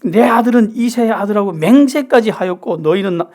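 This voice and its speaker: A man's voice: high-pitched, fairly quick, pitched above the performer's own voice, natural voice. A man doing furious King Saul. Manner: shouting accusations at his servants.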